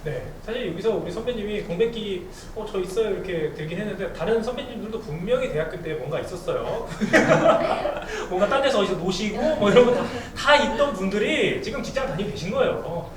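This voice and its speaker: Lively high-voiced male host. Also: fairly quick, hardly any pauses, a crowd in the background. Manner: upbeat, reads listener questions aloud. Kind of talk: hosting a talk concert. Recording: echoey event hall, distant mic, noisy.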